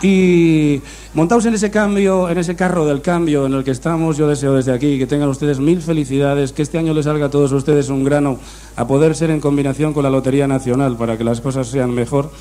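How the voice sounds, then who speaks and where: A man's voice: a little high, brisk. A man doing a mock-serious comic monologue full of puns. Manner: deadpan punning humor, mock-serious delivery. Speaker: comedian.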